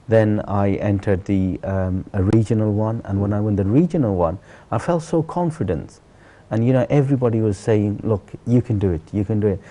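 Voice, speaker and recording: Brisk and barely pausing, a middle-aged Bangladeshi celebrity chef from Sylhet relates his life story as an interview guest in a low, dark voice. He speaks earnestly and conversationally, hammering points home through repetition.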